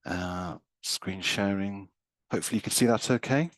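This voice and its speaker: A university lecturer, a man, presenting his research over a video call, a bit hoarse from being unwell and repeating words as he thinks. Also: on the low side, moderate pace, dry recording. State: slightly hoarse from illness. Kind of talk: academic presentation.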